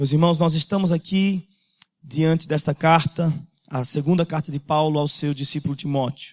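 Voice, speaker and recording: Here is a man with an ordinary speaking voice, fairly high in pitch, fairly even in intonation and moderate in pace. The recording is very clean with a silent background and a dry, close sound with no echo. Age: 30s. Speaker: pastor. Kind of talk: sermon. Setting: church.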